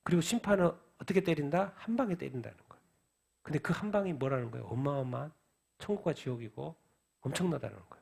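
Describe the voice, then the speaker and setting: A man's voice: a little high, expressive, fast talker, vocal fry, a little mellow, breathy edge. A man preaching a midweek sermon who asks questions and answers them himself. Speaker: pastor. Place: church.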